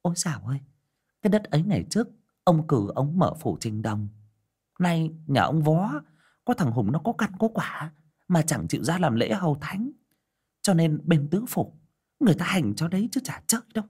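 A scornful village gossip sneers and rattles off rumors in a raised, lively voice, as a man narrator puts her on. The tone stays husky throughout. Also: on the high side, moderate pace, voice pushed up. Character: gossiping village woman, scornful and know-it-all.

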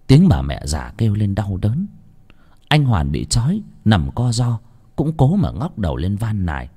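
Brief: male storyteller, low voice with lively, expressive pitch, grave and emphatic folk-tale narration. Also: moderate pace, husky.

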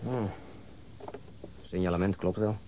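A man's voice: low-pitched, measured pace, dark tone, muffled recording. An actor playing a matter-of-fact police detective who questions his colleagues in a radio drama. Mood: dry, questioning. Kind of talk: naturalistic radio drama acting. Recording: noisy old radio drama recording.

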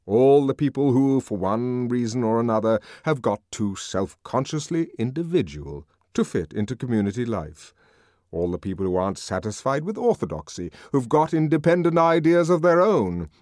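A man voicing a powerful older controller who lectures in a measured, sardonic way. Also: mid-range voice, big pitch swings, a little mellow, dry recording, studio quality, pitched above the performer's own voice, lightly acted.

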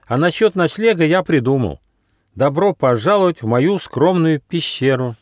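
A man doing Auka, a high shaggy prankster spirit. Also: animated, moderate pace, no room sound, studio quality, natural voice. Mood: cheerful.

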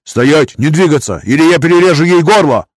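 A man voicing a panicky older male scientist with a shrill, quavering falsetto. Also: lively intonation, brisk, no echo. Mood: threatening.

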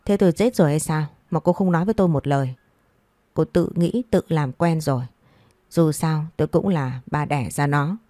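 Scornful drunk village husband, rapid harsh scolding, read by a woman, low and dry. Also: mellow, dry recording, natural voice. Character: drunken abusive village husband, middle-aged man, scornful.

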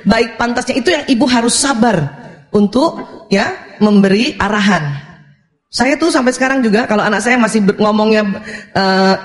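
A woman with an Indonesian accent giving a lively sermon on parenting, acting out parent-child exchanges with humor. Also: mid-range voice. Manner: animated, acts out parent-child dialogues with humor. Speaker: Islamic parenting preacher. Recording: echoey hall with long reverb.

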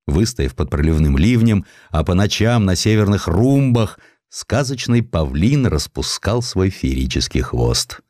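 Male narrator for historical prose: low voice, highly varied intonation, theatrical storytelling, close dry studio sound. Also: big pitch swings, a little slow, darkish tone, no echo. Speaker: audiobook narrator. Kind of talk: dramatized literary narration of a historical sketch.

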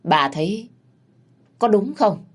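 A woman voicing a wealthy older man who speaks calmly but questions and reproves. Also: mid-range voice, slow pace, voice pushed up. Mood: skeptical. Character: wealthy older man, flustered then sharply skeptical.

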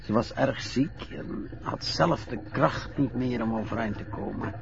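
A man playing a gravelly, stammering old widower. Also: mid-range voice, unhurried, dull audio. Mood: sorrowful. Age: older. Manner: hesitant, stammering. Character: frail old widower being bathed, fearful, teasing fibber. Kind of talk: radio play acting.

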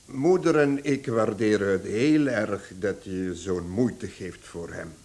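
Stern, commanding family patriarch. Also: male voice, fairly low pitch, slow, a little mellow, echoey room. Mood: stern, solemn. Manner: commanding, emphatic, pompous. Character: stern, domineering patriarch, gruff family father. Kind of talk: radio play acting.

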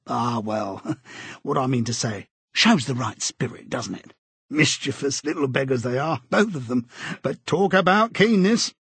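A man's voice: medium pitch, animated, measured pace, a bit bright, husky, dry recording, exaggerated voice. A man reading aloud, voicing a bluff, hearty middle-aged man who is an eager busybody, talking in a jovial, chummy, pushy way.

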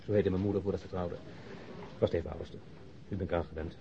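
Nervous, low-voiced humbled ex-convict. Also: male voice, steady tone. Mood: earnest. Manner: hesitant, apologetic, halting starts. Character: nervous, humbled male ex-convict turned provincial reporter. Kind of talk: Dutch radio drama dialogue. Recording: dull, noisy lo-fi radio drama recording.

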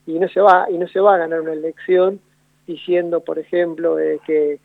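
Argentine guy calling into radio, gravelly voice, tinny phone sound, thinks out loud in careful loops. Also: on the high side, level tone, no echo. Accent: Argentine Spanish. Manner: measured, analytical, circling back to rephrase. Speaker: guest.

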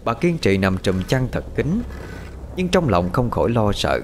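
A man reading a horror story aloud as a narrator, steady with lively intonation. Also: lowish voice, measured pace, a little hiss or hum. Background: faint background music.

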